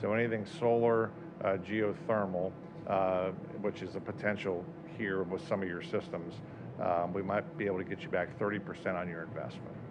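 With music in the background and audible room echo, a man speaks at a moderate pace with a fairly low pitch and lively intonation. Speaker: energy services salesperson. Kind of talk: sales presentation at public meeting. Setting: county commissioner meeting room. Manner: loud.

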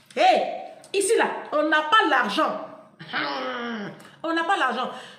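Through audible room echo, a woman speaks in an animated tone with very wide pitch swings. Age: 40s. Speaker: vlogger. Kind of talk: vlog monologue. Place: home room. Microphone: phone near.

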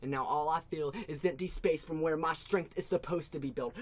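A man talks with a high pitch. His pace is fairly quick. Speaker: spoken word poet. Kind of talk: spoken word poem, confessional breakup monologue. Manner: raw, emotionally charged and regretful; building intensity, anguished outbursts. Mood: regretful, heartbroken. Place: garage. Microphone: webcam.

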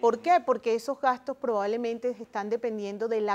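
At a fairly quick pace, a woman with a Venezuelan accent talks at a fairly high pitch with ordinary pitch variation. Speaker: lawyer. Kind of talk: expert interview. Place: studio. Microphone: lapel.

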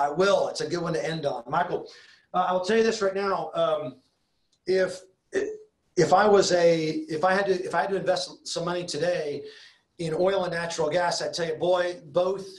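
A man speaks in a high voice with an American accent and fairly even intonation. The room echo is audible, but the background is quiet. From Texas. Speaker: energy market expert. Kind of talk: live webinar briefing. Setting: video call. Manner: fast talker. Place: office.

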